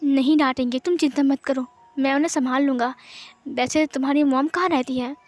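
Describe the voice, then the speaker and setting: A woman's voice: high voice, fairly even intonation, brisk, soft background music, natural voice. A woman voicing a stunned, stammering father. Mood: reassuring. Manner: stammering, disbelieving. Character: shaken man, a stunned father.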